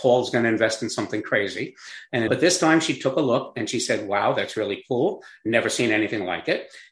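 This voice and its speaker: A man with medium pitch speaks at a fairly quick pace against a quiet background. His voice is somewhat breathy, with lively intonation. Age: 70s. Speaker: entrepreneur. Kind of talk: casual interview.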